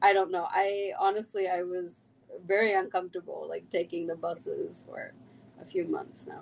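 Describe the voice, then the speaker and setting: Someone speaks with a Canadian accent at a moderate pace. The loudness swings widely. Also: woman. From Canada (Toronto), born in Germany. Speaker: wheelchair user sharing her experiences. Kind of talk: interview. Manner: soft-spoken.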